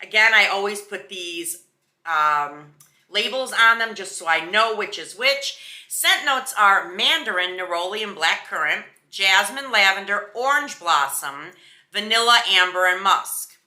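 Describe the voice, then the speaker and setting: A woman's voice: medium pitch, lively intonation, measured pace, bright, forceful tone. A woman giving a casual, chatty beauty product review in a sassy, emphatic, slangy way. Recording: roomy indoor echo.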